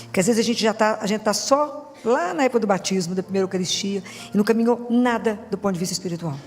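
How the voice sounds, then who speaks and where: A woman's voice: medium pitch, quick pace, darkish tone. A woman preacher with a Brazilian Portuguese accent giving a conversational sermon in colloquial, teasing language, often asking rhetorical questions. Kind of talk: conversational sermon with acted-out dialogue. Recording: long hall reverb with music behind.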